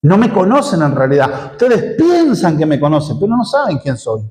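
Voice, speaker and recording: A man's voice: a little high, very animated, moderate pace, a little mellow, low-quality recording. A male pastor with a Rioplatense Argentine accent, teaching an expository sermon in church, asking rhetorical questions as he explains. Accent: Rioplatense Spanish.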